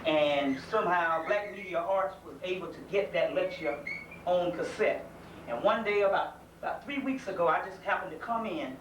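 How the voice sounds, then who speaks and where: A man's voice: high voice, moderate pace, fairly bright tone, muffled recording. A man from South Carolina with a Southern accent, giving a folksy, earnest community lecture in a conversational way. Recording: echoey room, mic far off, faint hiss.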